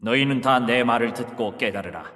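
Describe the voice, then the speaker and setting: An actor playing Jesus as a calm grown teacher, speaking in a solemn, measured way in a dramatized Bible reading. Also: male voice, medium pitch, long reverb tail, natural voice.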